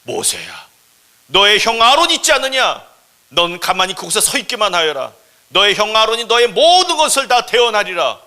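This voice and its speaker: A man voicing God as a calm, commanding fatherly deity, speaking low, slow and solemn. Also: husky, exaggerated voice.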